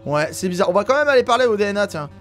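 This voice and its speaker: French male let's-player, high voice, chatty and excitable, rambling casual commentary. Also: racing, faint music behind. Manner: chatty, excitable, thinks aloud with many fillers. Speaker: gaming YouTuber.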